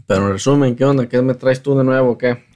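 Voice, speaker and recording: A man's voice: medium pitch, quick pace, a little mellow. A man in casual conversation, using slangy, profane Spanish with bits of English.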